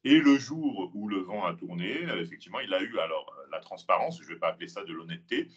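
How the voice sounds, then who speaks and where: A very low-voiced man with a husky, slightly rough tone answers questions at a measured pace. He hesitates often and fills gaps with drawn-out filler sounds. The recording sounds dull and lo-fi. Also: expressive. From France, Île-de-France. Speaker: guest, police officer and author. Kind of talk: interview answers.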